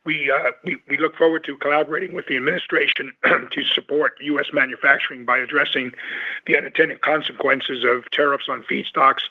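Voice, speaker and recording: A man, a company executive who is losing his voice, giving careful answers on a conference call and clearing his throat. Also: mid-range voice. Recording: tinny phone line.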